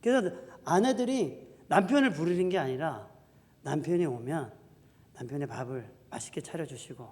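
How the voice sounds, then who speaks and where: A male pastor preaching a sermon, swinging between loud declarations and soft asides. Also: a little high, lively intonation, normal speed. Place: church sanctuary. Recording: long hall reverb.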